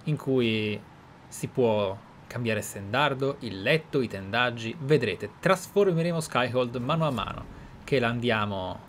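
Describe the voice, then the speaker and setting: A man's voice: mid-range voice, animated, a little slow. A man with an Italian accent giving casual, musing, enthusiastic gameplay commentary as the host. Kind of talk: casual let's play commentary. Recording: clear background game ambience noise. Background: game ambience.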